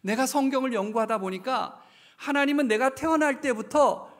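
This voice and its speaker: A middle-aged man, a pastor, preaching a sermon in a church, telling stories and growing louder at emotional peaks. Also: extremely high pitch, normal speed. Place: church sanctuary.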